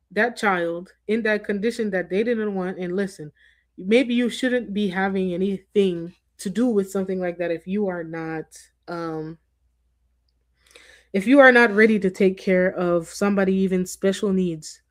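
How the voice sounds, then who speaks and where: A woman's voice: mid-range voice, moderate pace. Rambling woman chatting to her stream. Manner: rambling, conversational, with restarts and asides. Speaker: livestream host. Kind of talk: casual commentary to viewers.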